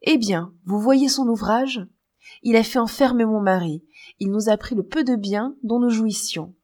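A woman's voice: on the high side, moderate pace, a little mellow, close to an everyday voice. A woman reading an audiobook and voicing a desperate, pleading old beggar woman.

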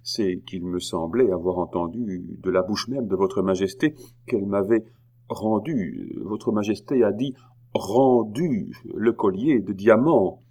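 A frightened, flustered jeweler, as a male narrator puts him on stammers and pleads, his low voice shaking with fear. He talks slowly and hesitantly. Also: dark tone. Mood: stammering.

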